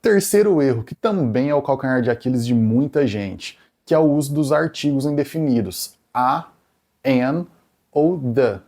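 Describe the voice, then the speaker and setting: Brazilian guy teaching english grammar, gravelly voice, goes slow on the english examples. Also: medium pitch, animated, mellow. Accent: Brazilian Portuguese. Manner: slows down to spell out English example sentences; checks in with the viewer after each point. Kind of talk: grammar lesson explained in Portuguese.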